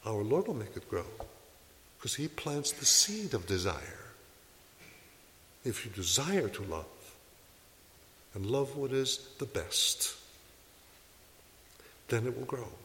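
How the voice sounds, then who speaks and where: A man's voice: mid-range voice, a bit bright, big-room sound, slight background noise. A man, a Catholic priest, giving an earnest sermon, exhorting his listeners and asking them rhetorical questions. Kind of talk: sermon to a congregation.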